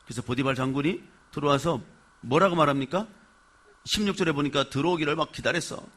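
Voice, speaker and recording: A male pastor delivers a sermon in a lively, expressive style, acting out the story and putting questions to his listeners. His voice sits fairly high and carries a husky, slightly breathy edge. The tone is bright and forceful. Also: fast talker. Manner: animated storytelling, asks the congregation questions.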